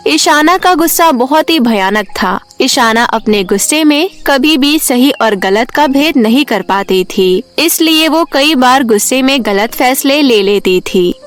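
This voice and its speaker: A woman's voice: high voice, animated, unhurried, hardly any pauses, soft background music. A woman narrating a scripted children's story in a storytelling style.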